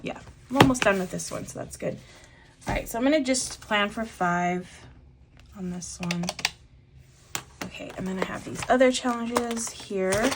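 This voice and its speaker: A young budgeting vlogger does a casual voice-over while cash stuffing, rambling through her weekly budget and pausing on fillers as she settles each amount. Her medium-pitched voice sounds slightly congested from a lingering cough. Heavy background noise, including distinct clicks and tapping, sits behind her.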